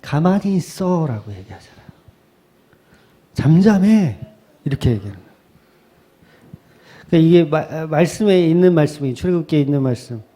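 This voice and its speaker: A male pastor preaching a sermon in a lively way, slipping into quick acted asides. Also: fairly high pitch.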